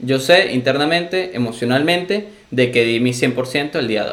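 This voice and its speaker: There's audible room echo around this man's medium-pitched voice. His pitch varies in an ordinary way, and he keeps a moderate pace. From Venezuela, San Cristóbal. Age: 20s. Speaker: rapper. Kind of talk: casual chat.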